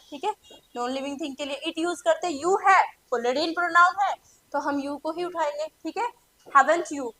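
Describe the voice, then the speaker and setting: High-voiced Indian woman teaching English. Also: a bit bright. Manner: asks the class questions and answers them herself. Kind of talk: exam-prep lesson.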